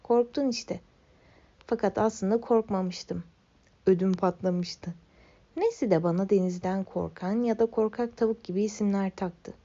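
A young woman tells a children's story in the first person, gentle and wistful. Her voice is mellow with a gravelly fry underneath. The recording has a slightly muffled, lo-fi sound. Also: mid-range voice, steady tone, moderate pace.

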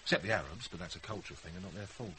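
A man's voice: deep voice, animated, rapid-fire, pushed and bright, a little hiss or hum. An actor playing a blunt, cocky, wry British businessman in a naturalistic radio drama. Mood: wry, teasing. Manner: blunt, matter-of-fact, wry. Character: blunt, cocky businessman, tipsy partner of a mother.

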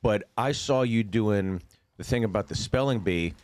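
A man's voice: on the low side, moderate pace, darkish tone. A man hosting a comedy podcast, chatting and bantering casually. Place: small curtained podcast studio. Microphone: podcast mic on boom arm.

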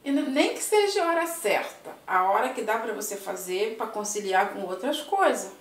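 A woman's voice: mid-range voice, sing-song, normal speed, recorded from a distance. An older woman with a Brazilian accent, chatting tenderly and casually at home as a vlog host. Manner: chatty, tender, full of diminutives. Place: home, indoors. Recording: roomy echo.

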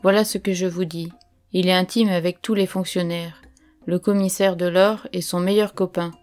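A woman's voice: lowish voice, steady tone, normal speed, a little mellow, faint music behind, lightly acted. A woman reading as a knowing, gossiping onlooker. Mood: confiding. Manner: confiding, knowing warnings. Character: gossiping man in a crowd, knowing.

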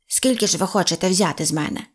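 A woman's voice: fairly low pitch, quick pace, husky. A woman voicing a stingy old rich man who lisps, swapping r for f, and whines and grumbles while haggling. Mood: grumbling. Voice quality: lisping, says f instead of r. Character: stingy rich old male shorty, whiny and stubborn.

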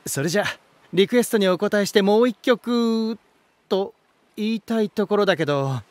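A man's voice: high-pitched, a little mellow, no room sound, close to an everyday voice. An actor voicing a genial, elegant male lighthouse spirit in a voice drama, telling stories in a theatrical manner. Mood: playful, inviting. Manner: smooth-mannered, theatrical, unhurried storytelling. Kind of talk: Japanese voice drama acting.

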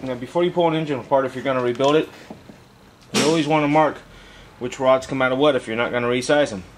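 A man's voice: medium pitch, quick pace. A man giving plainspoken, informal hands-on instructions as a mechanic in a garage workshop. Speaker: mechanic demonstrating an engine teardown. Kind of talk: hands-on how-to narration. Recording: clearly noisy garage recording with clicking.

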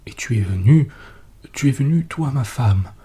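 A man's voice: mid-range voice, animated, normal speed, dark tone, husky. A man voicing a jealous, suspicious husband beside himself with anger, pressing with insistent repetition, in a whispered role-play. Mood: accusing.

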